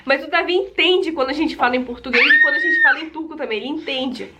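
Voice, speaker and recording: A chatty young woman from Brazil talks straight to camera in a high, bright voice. She keeps calling out to her viewers in a casual, easygoing chat. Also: quick pace, heavy background noise. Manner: chatty, repeats "gente" often. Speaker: vlogger.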